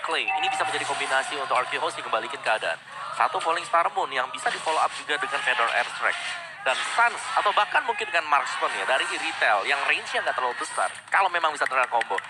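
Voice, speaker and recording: A man's voice: mid-range voice, animated, fast, heavy background noise. A man with an Indonesian accent giving analysis as co-commentator of a live esports match.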